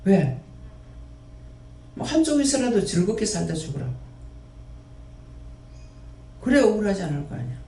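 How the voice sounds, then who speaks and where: A sermon from a man who runs a prayer house, chiding his listeners with a chain of rhetorical questions. His warm voice sits high, swings widely in pitch, moves at a moderate pace, and pauses often, recorded with a distant mic in an echoey room.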